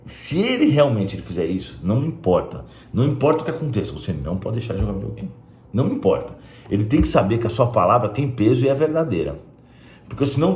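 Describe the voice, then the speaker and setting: A man's voice: mid-range voice, darkish tone. A man giving a blunt, emphatic casual talk to camera as a spiritist video host. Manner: blunt and emphatic, with frequent "né?" asides. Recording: roomy echo.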